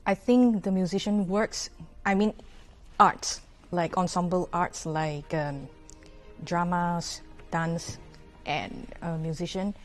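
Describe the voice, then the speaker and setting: A young woman from Malaysia, answering interview questions as a guest orchestra musician in a relaxed way, with many fillers and restarts. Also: on the low side, slow, faint music behind. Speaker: orchestra horn player, guest.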